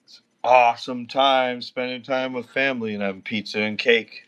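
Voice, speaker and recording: With a clear, resonant, fairly bright medium-pitched voice and fairly even intonation at normal speed, a thirtysomething man from Canada chats casually with livestream viewers, though he's drunk, slurring, rambling, and swearing constantly.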